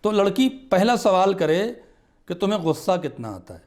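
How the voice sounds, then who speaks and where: A man's voice: high-pitched, very animated, a little mellow. A man on a studio talk show, explaining marriage advice in an earnest, emphatic way. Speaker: religious scholar guest.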